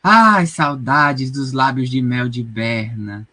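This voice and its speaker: A man's voice: medium pitch, takes it slowly, sharp tone. A Brazilian man playing a cocky, playful teenage prince in a comedic audio drama. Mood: boastful, scheming. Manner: playful, boastful. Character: cocky teenage prince, dreamy girl-chasing schemer.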